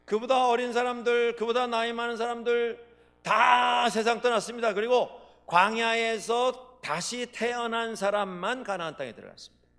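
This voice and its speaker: A male pastor preaching a sermon, with dramatic swings between loud proclamations and quiet asides. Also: very high-pitched, normal speed, clean tone. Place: church sanctuary. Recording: long reverb of a large hall.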